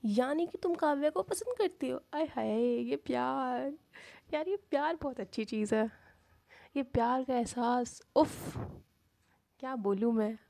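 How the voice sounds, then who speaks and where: A woman's voice: high-pitched, moderate pace, darkish tone. A woman voicing a cocky young woman who jokes and teases in a playful way. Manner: playful, brash.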